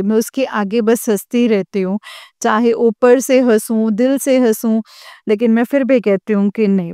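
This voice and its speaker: Earnest devotional woman, smooth voice. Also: on the high side, dark tone, no echo, clean studio sound. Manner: earnest and emotional, often addressing the congregation. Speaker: devotee sharing a satsang testimony. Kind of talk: devotional testimony.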